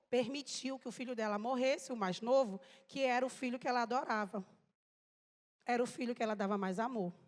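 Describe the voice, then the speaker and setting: A woman preacher telling an emotional testimony to a congregation, speaking to them directly. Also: on the high side. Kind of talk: sermon testimony. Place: church hall. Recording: reverberant church hall.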